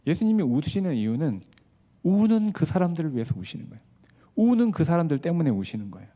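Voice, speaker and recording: A male pastor preaching a sermon, asking the congregation questions and swinging between hushed asides and raised, emphatic passages. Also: on the high side, big pitch swings, fast, muffled recording.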